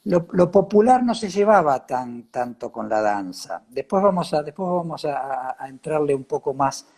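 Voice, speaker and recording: A man with a Córdoba Argentine accent and a rough, husky voice conducts a conversational interview. He speaks haltingly, often restating a phrase while hunting for the next word. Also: fairly high pitch, big pitch swings, a little mellow. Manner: halting, repeats phrases as he searches for words.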